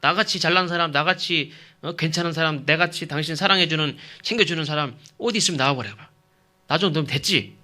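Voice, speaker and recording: A man's voice: a little high, fast talker, pushed and bright. A man playing a self-centered husband who nags his wife with short, repeated questions. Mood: boastful.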